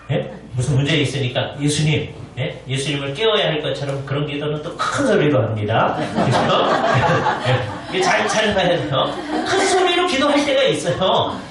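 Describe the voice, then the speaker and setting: A man's voice: fairly high pitch, very animated, normal speed. A man preaching at a church Bible conference in a conversational way, often asking the congregation whether they follow. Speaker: guest preacher, professor. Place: church sanctuary. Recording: very echoey church hall, distant mic, faint noise.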